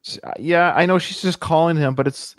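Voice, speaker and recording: A man's voice: on the high side, brisk, no echo. A man co-hosting a podcast, chatting casually about a movie as he watches it and acting out quoted lines. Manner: animated, acts out quoted lines. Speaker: podcast co-host. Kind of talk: casual film commentary chat.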